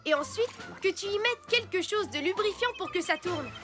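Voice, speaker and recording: A woman's voice: very high-pitched, animated, moderate pace, bright, forceful tone, soft background music, exaggerated voice. A woman voicing a brave little alien boy hero who commands his robot team earnestly in a French cartoon. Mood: confident, commanding.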